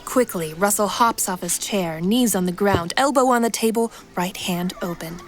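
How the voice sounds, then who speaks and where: A woman's voice: mid-range voice, moderate pace. A woman reading scripted present-tense story narration for an action fiction podcast. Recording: prominent music bed under narration.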